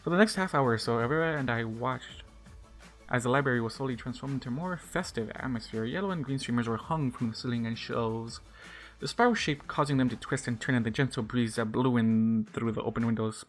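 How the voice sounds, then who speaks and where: A man reading fan fiction aloud with casual asides, informal and sometimes stumbling over his words. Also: medium pitch. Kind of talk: story narration with casual asides.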